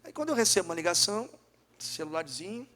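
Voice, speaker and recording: Middle-aged gaúcho man with a high voice, a pastor giving a fervent testimony and acting out the dialogue. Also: big pitch swings, quick pace, a bit bright. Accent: Gaúcho Brazilian Portuguese. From Rio Grande do Sul, Brazil. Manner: fervent, acts out dialogue, addresses listeners directly. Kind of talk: emotional spoken testimony. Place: restaurant dinner event.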